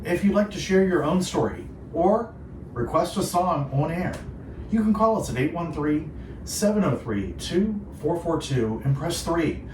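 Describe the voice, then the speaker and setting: A man's voice: on the high side, expressive, a little slow, darkish tone. A man hosting a devotional Christian radio show, speaking in an earnest, reflective and polished way. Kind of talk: devotional radio talk with co-host. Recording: roomy echo, distant, clearly noisy.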